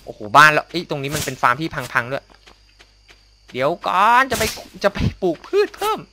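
A man's voice: a little high, lively intonation, brisk, bright, forceful tone, slight background noise. A young man commentating casually as he plays a video game, exclaiming, muttering to himself and making little sound effects. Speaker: gameplay commentator. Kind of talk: casual let's-play commentary.

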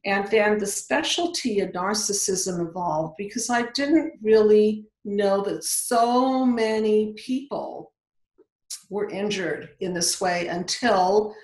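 A woman's voice: medium pitch, takes it slowly, a little mellow. A woman in her sixties, born in Hungary, a psychologist explaining her work earnestly on a video call, often restarting her sentences. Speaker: psychologist guest. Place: indoor home office. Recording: roomy video call audio.

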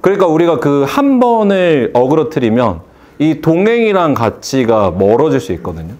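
A man's voice: a little high, sing-song, normal speed, a little mellow. A man giving a motivational speech to a seated audience, asking rhetorical questions and acting out phone calls. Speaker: hair salon owner giving a speech.

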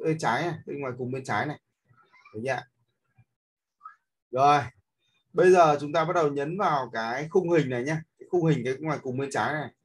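A man's voice: on the high side, slightly rough. A man teaching an app step by step, with many fillers and frequent checks that his listeners are following. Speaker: instructor. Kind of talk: screen-recorded app tutorial.

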